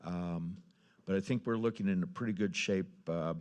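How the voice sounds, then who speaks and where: Man, council member, very deep pitch, low-key, halting, informal meeting update. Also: a little mellow.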